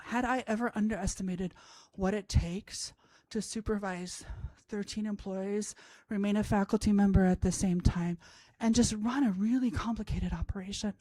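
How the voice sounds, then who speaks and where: A woman's voice: medium pitch, fairly even intonation, normal speed, warm tone, no echo. A woman in her fifties from Austria, a language professor telling a humorous personal story on stage to an audience, wry and self-mocking. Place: college event stage before an audience.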